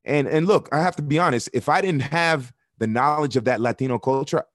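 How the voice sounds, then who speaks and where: A man from Miami who works as a soccer broadcaster, talking frankly on a podcast and pressing his points by repeating them. His voice sits at an ordinary middle pitch. The recording is dry, with no room sound. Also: fairly quick, dry recording, soft background music. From Miami, United States. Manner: candid and earnest, builds points with repetition. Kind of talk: podcast interview.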